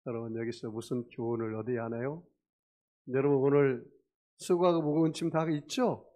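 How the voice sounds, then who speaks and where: A man preaching a sermon as pastor, telling stories, questioning the congregation and acting out loud cries for help. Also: mid-range voice, steady tone, moderate pace. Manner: storytelling with acted shouts and audience questions.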